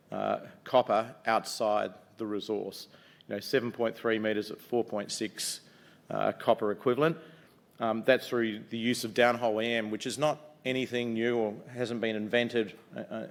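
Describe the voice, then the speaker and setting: A loud, fairly low-voiced man with a New Zealand accent presents to investors in a conference room. He is middle-aged and talks in an upbeat, casual way, dropping frequent ums and uhs as he goes. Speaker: mining company executive presenting to investors.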